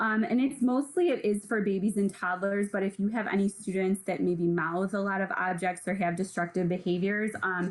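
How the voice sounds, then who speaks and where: At a moderate pace, an ordinary speaking voice holds fairly even intonation. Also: woman. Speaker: music teacher. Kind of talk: webinar presentation. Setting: video call.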